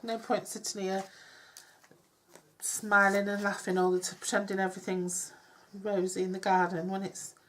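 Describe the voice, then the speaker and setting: A middle-aged woman with a cold, chatting her way through a craft demonstration with soft, self-deprecating asides. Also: medium pitch, level tone, normal speed, a little hiss or hum. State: congested with a cold. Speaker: craft tutorial host. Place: home craft table. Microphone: overhead camera on hands, speaker off-screen.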